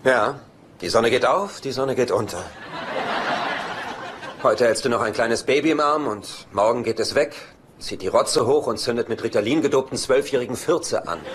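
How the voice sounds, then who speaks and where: Actor as dry, sarcastic brother, noisy track. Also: male voice, mid-range voice, moderate pace, natural voice. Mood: dry mockery. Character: cynical, womanizing, teasing laid-back middle-aged brother. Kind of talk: dubbed sitcom dialogue. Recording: noisy TV soundtrack rip.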